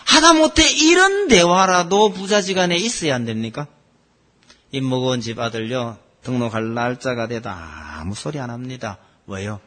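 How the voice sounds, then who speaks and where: A man preaching a sermon as pastor, asking the congregation questions and swinging between loud and soft. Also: medium pitch, moderate pace. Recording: long hall reverb.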